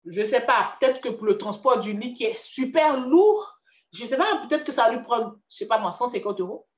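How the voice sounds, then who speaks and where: Ivorian woman career coach, chatty and direct, higher voice, echoey room. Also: lively intonation, brisk. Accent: Ivorian French. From Ivory Coast. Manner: chatty, addresses listener as tu, frequent restarts. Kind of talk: casual motivational talk.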